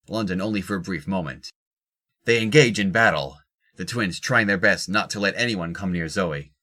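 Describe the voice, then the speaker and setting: A man's voice: sits low, sharp tone. A man reading scripted narration for an audio drama as its narrator.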